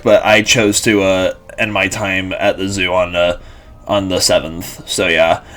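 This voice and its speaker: Speaking on the low side with a fairly bright tone, this young man in his twenties vlogs casually to camera. He's bilingual in Lithuanian and English, and his rambling is packed with fillers and false starts.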